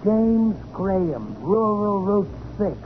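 An actor playing an impatient, bullying crook with brusque, slangy speech in a 1940s radio crime drama. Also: male voice, sits high, big pitch swings, takes it slowly, full character voice. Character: impatient, bullying male crook with bad grammar. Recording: muffled, noisy 1940s radio recording.

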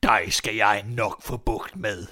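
A man voicing a huge, ancient white-bearded man in a storybook reading, threatening in slow, heavy words. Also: on the low side, fairly even intonation, bright, forceful tone. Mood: menacing.

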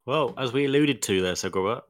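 A podcast co-host with a mid-range, lively voice chats casually, a little fast, telling rambling stories packed with fillers. He sounds a bit sniffly, and the recording has no echo.

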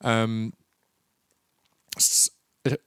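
A man's voice: lowish voice, completely flat delivery, drawn-out words, a bit bright, smooth, no echo. A man hosting a podcast, talking with a noticeable stutter that makes him repeat sounds at the start of words. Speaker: podcast host. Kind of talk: casual interview and reflective monologue.

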